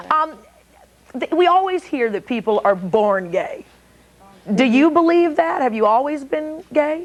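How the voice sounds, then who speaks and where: Against noticeable background noise, a woman with a high pitch talks at a fairly slow pace, swinging her pitch very widely and taking long, frequent pauses. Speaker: talk show host. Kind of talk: talk show hosting. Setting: TV studio.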